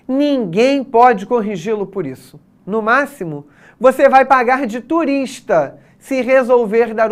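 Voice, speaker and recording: Lively Brazilian woman teaching a lesson. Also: a little high. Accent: Brazilian Portuguese. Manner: explanatory, addresses students directly with checks. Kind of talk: exam prep lesson.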